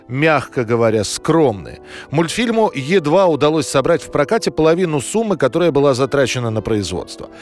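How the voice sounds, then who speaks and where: A man presenting a history programme, reading scripted documentary narration. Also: a little high. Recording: music under the voice. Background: background music.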